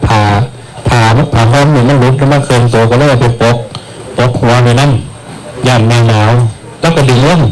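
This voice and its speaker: A man, an abbot with an Isan accent, preaching at a village merit-making ceremony, telling stories in a lively way and acting out the voices of the people in them. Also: medium pitch, moderate pace, low-quality recording. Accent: Isan (northeastern Thai). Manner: lively storyteller acting out quoted voices, calls for blessing. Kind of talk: storytelling folk sermon.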